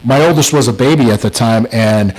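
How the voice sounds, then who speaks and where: A man's voice: medium pitch, a little fast, a little mellow, poor audio. A middle-aged man co-hosting a casual sports podcast, telling stories in a heated, profane way. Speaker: podcast co-host.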